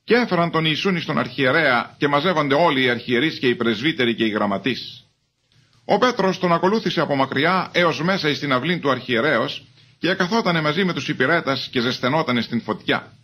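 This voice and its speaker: A man giving a measured, formal reading of scripture as a Bible reader. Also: on the high side, animated, bright, forceful tone.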